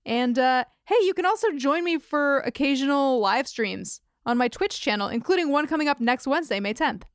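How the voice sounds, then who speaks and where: A woman co-hosts a podcast in a high-pitched, animated voice at a moderate pace, with no room sound. Her casual chat carries a dry, wry sense of humor.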